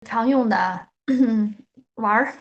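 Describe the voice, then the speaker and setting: A young woman with a Beijing accent, a guest explaining local speech in a measured, thoughtful way. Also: a little high, lo-fi sound. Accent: Beijing Mandarin. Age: young adult. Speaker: guest co-host. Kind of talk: casual explanatory chat.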